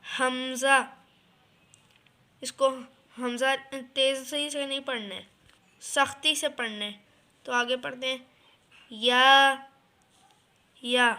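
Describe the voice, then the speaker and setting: A woman's voice: sits high, fairly even intonation, normal speed, pushed and bright. A woman teaching how to pronounce letters for Quran recitation, with an Urdu-speaking South Asian accent, patiently repeating each letter and explaining it. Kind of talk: slow step-by-step recitation lesson.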